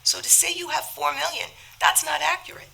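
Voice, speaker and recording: Hoarse woman board member with a cold, gravelly, bright and tense, lively pitch, pressing her point hard. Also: a little fast, low-quality recording. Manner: forceful, indignant, interrupting. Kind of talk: public meeting debate. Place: town hall meeting room.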